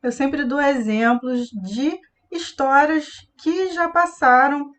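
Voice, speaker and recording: A woman's voice: sits high, steady tone, takes it slowly, a bit bright. A woman voice coach teaching a live online class, speaking expressively and showing different tones of voice as she explains.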